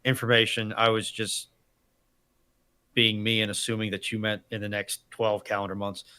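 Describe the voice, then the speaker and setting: A man's voice: on the low side, flat delivery, moderate pace, pushed and bright, clear, resonant tone. A man chatting casually as a co-host on a livestream.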